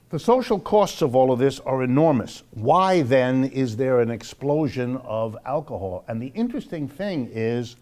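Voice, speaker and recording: A man speaks as a lecturer before the public, in a mid-pitched voice. His delivery is deliberate and emphatic, and he repeats phrases to drive them in.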